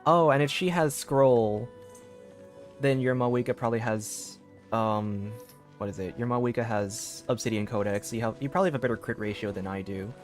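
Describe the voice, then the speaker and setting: A man's voice: medium pitch, moderate pace. A man casually commentating on a live game stream and reading bits of on-screen text aloud. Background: game music.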